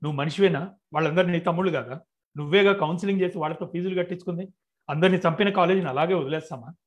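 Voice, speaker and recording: A fiery, earnest young man pushing hard and accusing, as a novelist reads his lines aloud. The voice sits a little high for a man and stays close to the reader's own. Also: very fast, highs cut off, close to an everyday voice. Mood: heated. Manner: pleading, then heated and accusing.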